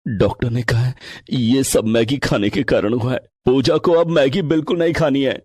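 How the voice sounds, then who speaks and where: A caring, gentle young husband, voiced by a man for a cartoon. The voice is husky and sits in a middle pitch. It is recorded close and dry. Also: moderate pace, dry recording, close to an everyday voice. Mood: concerned. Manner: gentle, concerned.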